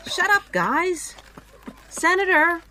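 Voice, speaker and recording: An actress playing a commanding, urgent rescue team leader in an audio drama. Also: female voice, very high voice, very animated, slow pace, pushed and bright, slight background noise, exaggerated voice, low-quality recording.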